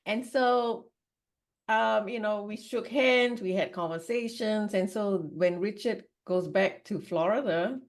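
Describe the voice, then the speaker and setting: She speaks slowly in a mid-range voice, a Singaporean woman telling her life story on a podcast interview. The account is frank and rambling, dotted with "you know" and "like."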